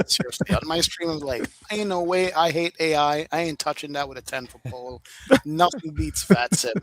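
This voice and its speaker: A man with a Jamaican accent speaks at a fairly quick pace and fairly high pitch with ordinary pitch variation, in a dry, close sound with no echo, over noticeable background noise. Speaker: flight sim streamer. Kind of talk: casual podcast chat. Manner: animated.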